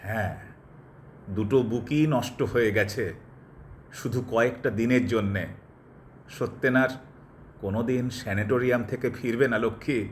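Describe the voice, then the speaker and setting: A man playing a cold, calculating doctor in an audio drama, pressing his love insistently and deliberately, with English phrases dropped in. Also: mid-range voice, slight background noise, lightly acted. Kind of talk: Bengali audio drama acting.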